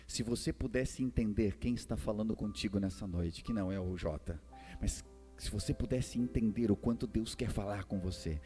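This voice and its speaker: A man's voice: lowish voice, moderate pace, dark tone. A man with a Brazilian accent preaching a sermon in a conversational way, retelling a Bible story and repeating phrases for emphasis. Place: church hall during a service. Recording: echoey hall reverb with music behind.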